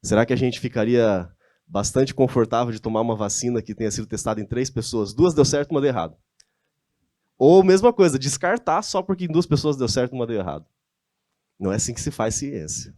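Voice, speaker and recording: A man with a Brazilian Portuguese accent lectures conversationally at a church event using slides, often asking rhetorical questions of his listeners. His medium-pitched voice is expressive, mellow, and fairly quick, heard in clean studio sound without echo.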